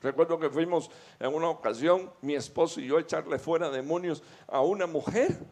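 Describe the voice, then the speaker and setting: A man's voice: fairly high pitch, a little fast, a little mellow. A middle-aged man preaching a sermon fervently, telling of his own experiences and calling listeners brother.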